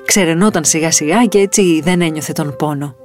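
Expressive woman reading a picture book. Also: low voice, soft background music. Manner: expressive, lilting. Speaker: storyteller.

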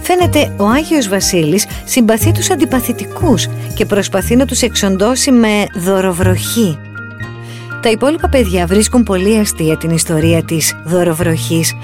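A woman narrating a children's Christmas story in an expressive, animated way. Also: medium pitch. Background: soft music.

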